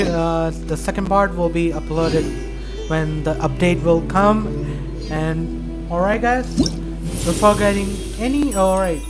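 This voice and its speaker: Casual gamer talking over game music. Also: male voice, high-pitched. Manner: loose, chatty, rambling. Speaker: gaming video creator. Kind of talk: casual commentary over gameplay.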